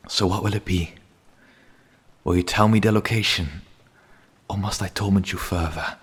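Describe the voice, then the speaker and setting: Male performer as grim vampire hunter, low-pitched, heavily husky and breathy, half-whispered, solemn, formal, menacing, ASMR roleplay. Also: fairly even intonation, normal speed. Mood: earnest pleading. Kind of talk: ASMR roleplay, dramatic monologue.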